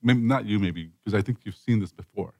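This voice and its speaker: A man's voice: lowish voice, fairly quick, creaky, a little mellow, no room sound. A man hosting a casual conversational podcast, chatty and emphatic, often repeating himself for effect. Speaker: host and business chamber leader.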